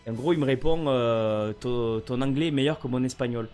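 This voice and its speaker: A man's voice: medium pitch, brisk, a little mellow, faint music behind. A French man chatting casually to camera about a gift, often rambling and stammering over his words. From France. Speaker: gaming vlogger.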